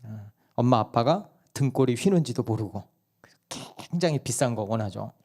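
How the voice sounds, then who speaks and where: A man's voice: medium pitch, lively intonation, moderate pace, a little mellow. A male pastor giving a sermon in a conversational, humorous storytelling manner, asking the congregation questions. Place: church sanctuary.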